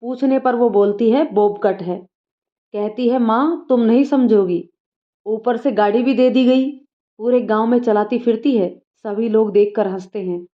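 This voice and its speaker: A woman's voice: on the high side, measured pace, lightly acted. A woman voicing a worried, scolding village mother, on slightly dull audio. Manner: scolding, fretful.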